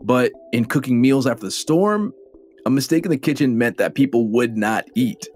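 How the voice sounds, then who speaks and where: In a playful, conversational way, a man hosts and narrates a food documentary as its reporter. His medium-pitched voice is expressive and a little mellow, moving at normal speed, with light music underneath.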